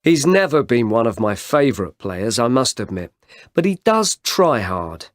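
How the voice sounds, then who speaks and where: A man playing a fair-minded football supporter in a scripted exam recording, speaking in a measured way. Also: mid-range voice, sing-song, slight background noise, lightly acted.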